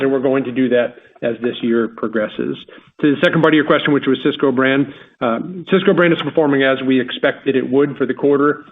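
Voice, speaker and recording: A company executive, a man, answering an analyst on an earnings call in a confident, emphatic way. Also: mid-range voice. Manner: confident, emphatic business talk. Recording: tinny phone line.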